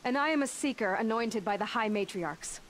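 An actress playing a resolute young tribal huntress in a video game, firm and earnest. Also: female voice, fairly high pitch, animated, moderate pace, slight background noise, lightly acted. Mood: defiant, firm. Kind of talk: dramatic video game dialogue.

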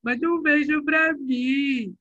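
A man imitating an elderly woman who puts on a São Paulo accent, drawn-out and sing-song as she thanks a phone operator. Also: very high-pitched, bright, forceful tone, dull audio, voice pushed up, exaggerated voice. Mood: sweet. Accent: put-on São Paulo accent.

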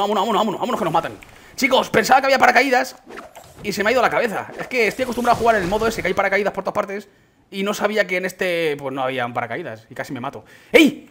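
A young man with a Spanish accent reacting to a video game with excitement. His voice sits high and swings widely in pitch, leaping up on exclamations. A husky edge runs through his tone. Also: racing. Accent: Spain Spanish. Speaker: gaming YouTuber. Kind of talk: excited gameplay commentary.

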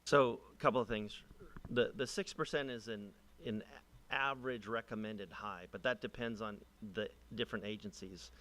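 A man's voice: on the low side, steady tone, normal speed, fairly bright tone. A male consultant answering questions and explaining figures at a public meeting. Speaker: technology consultant.

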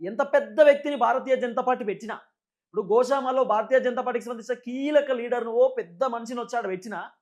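A man with a Telangana Telugu accent giving unscripted political commentary in an emphatic, repetitive, explanatory manner. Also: very high-pitched.

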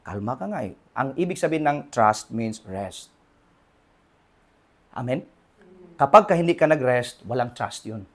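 A Filipino man preaching a sermon in church, swinging between loud exhortation and quiet talk and calling for amens. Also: mid-range voice, expressive, unhurried, long pauses. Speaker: pastor. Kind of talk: preaching sermon, Tagalog-English mix. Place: church in Hong Kong.

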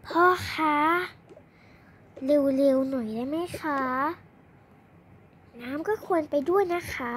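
A woman's voice: sits high, lively intonation, slow, long pauses, slight background noise. A young girl improvising a playful dollhouse roleplay drama, acting out every family member's dialogue herself. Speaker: storyteller voicing every character in a toy roleplay video.

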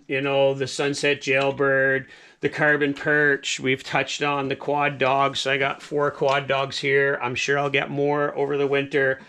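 A man's voice: mid-range voice, sharp tone. A man in his forties hosting a fishing channel, giving a casual, rambling, enthusiastic walkthrough of his lure collection in a small indoor room, close to a handheld camera. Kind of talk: casual show-and-tell walkthrough. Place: small indoor man cave packed with lures.

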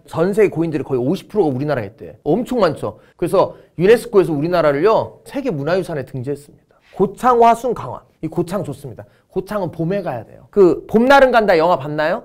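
Middle-aged guy teaching exam history, super lively ups and downs, jokey and animated. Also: fairly high pitch. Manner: animated, playful, acts out little skits. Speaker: history lecturer. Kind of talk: exam-prep lecture.

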